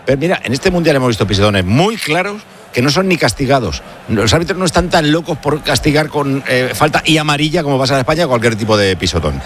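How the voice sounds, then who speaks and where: A man hosting live radio football coverage, talking quickly in a chatty, joking way. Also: mid-range voice, expressive, a bit bright, slight background noise. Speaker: radio sports host.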